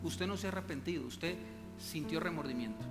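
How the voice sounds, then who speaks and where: A middle-aged male pastor, preaching a sermon in a church with emphatic rises and hushed drops. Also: a little high, a little fast. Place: church hall. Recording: long church reverb with music beneath. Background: soft instrumental music.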